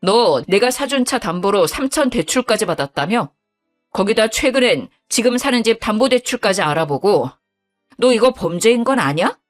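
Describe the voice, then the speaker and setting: A woman voicing an angry young husband who scolds bluntly in a lowered voice. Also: lively intonation, normal speed, soft background music, natural voice.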